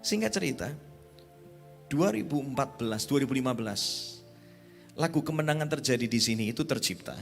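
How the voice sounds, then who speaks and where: A man preaching a sermon at a youth conference, emphatic, with sudden high exclamations. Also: expressive, fairly quick, vocal fry, pauses often, soft background music.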